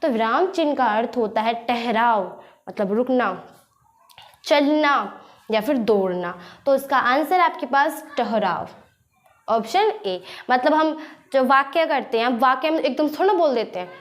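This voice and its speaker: A woman's voice: high-pitched, lively intonation, unhurried. A young woman hosting an online lesson, patiently explaining a practice quiz and often repeating herself with rhetorical questions. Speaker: teacher and channel host.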